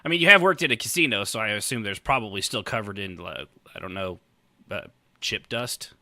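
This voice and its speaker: Male podcast host: rambling, jokey, sharply bright delivery with animated swings, recorded close and dry. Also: lowish voice, fairly quick, dry recording. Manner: rambling, joking, teasing. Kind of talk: casual chat, hosting a live roleplay podcast.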